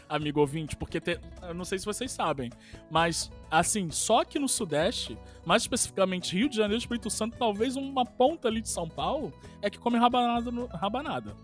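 Podcast co-host, Brazilian man, thirties, pitched high, excitable swearing banter. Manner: profane, joking, excitable. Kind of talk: casual chat.

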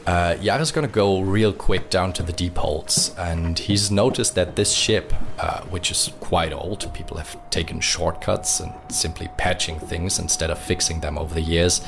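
A man's voice: deep voice, normal speed, gravelly, few pauses, noisy background. A man casually improvising descriptive third-person narration of his character as a player in a roleplay podcast.

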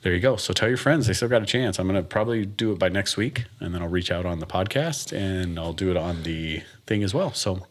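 A man hosting a podcast in casual chat, joking and animated, laughing often. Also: low voice, a little fast, hardly any pauses. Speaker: podcast host.

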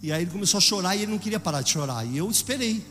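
A man preaching a sermon with a Brazilian Portuguese accent, swinging from loud exclamations to hushed storytelling. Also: high voice, expressive, rapid-fire, in a large hall, soft background music.

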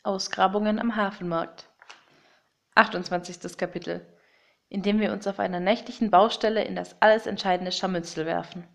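A woman's voice: medium pitch, fairly even intonation, moderate pace, creaky. A woman reading scripted narration for a children's audio story.

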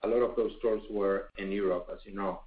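A man speaking as a company executive, answering off the cuff on an earnings call, halting and full of fillers and pauses. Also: on the low side, fairly even intonation. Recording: phone-like, echoey conference line.

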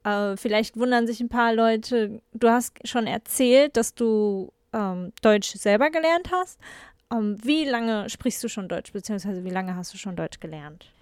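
Female podcast interviewer, smooth clear voice on the higher side, conversational, very dry sound. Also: measured pace, dry recording. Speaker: podcast host.

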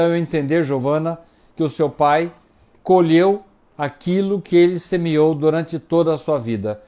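Measured, halting man explaining calmly. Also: on the high side. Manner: measured, halting, repeats words while thinking. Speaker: spiritist speaker answering questions. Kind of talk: explanatory talk-show answers.

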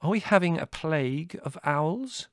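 A man's voice: mid-range voice, very animated, moderate pace, no room sound, studio quality, pitched above the performer's own voice, close to an everyday voice. A man voicing an irascible young older brother in an audiobook, biting, sarcastic and theatrically indignant. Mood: incredulous. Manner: biting, withering, exaggerated indignation. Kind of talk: audiobook character dialogue.

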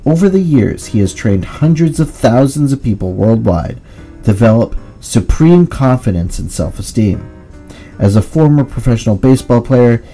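A man's voice: lowish voice, dark tone. A man hosting an interview show, formally reading out the guest introductions before asking his questions. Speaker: host.

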